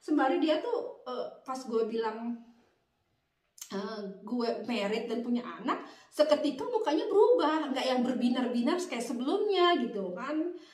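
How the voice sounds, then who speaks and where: A woman's voice: high voice, animated, unhurried, a little mellow, distant mic. Chatty woman vlogger, echoey room. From Indonesia. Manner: chatty, addresses viewers as "geng", many "gitu kan" tags. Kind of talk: casual storytelling vlog. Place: Bavaria, Germany.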